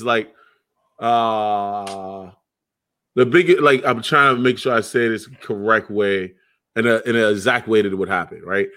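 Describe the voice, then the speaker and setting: Bright-voiced animated man on a podcast. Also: medium pitch. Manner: animated, interrupting, streetwise slang. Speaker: podcast co-host. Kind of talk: casual chat.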